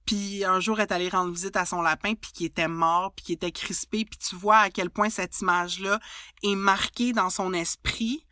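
Woman, Quebec French accent, bright voice, dry, thoughtful, hesitant. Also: mid-range voice, steady tone, moderate pace, no room sound. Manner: thoughtful, hesitant, many restarts. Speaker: podcast co-host. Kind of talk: reflective casual chat.

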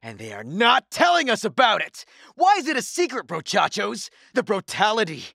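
A man playing a brash, excitable bro conspiracy podcaster delivering bombastic, over-the-top monologues in an audio drama. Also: high voice, moderate pace, creaky, no room sound, studio quality, full character voice. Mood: urgent, outraged.

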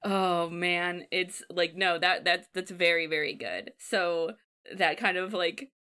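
Bright-voiced woman in easy chat. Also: on the low side, takes it slowly, smooth. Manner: laid-back, explaining and laughing along. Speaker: podcast co-host. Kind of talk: casual chat.

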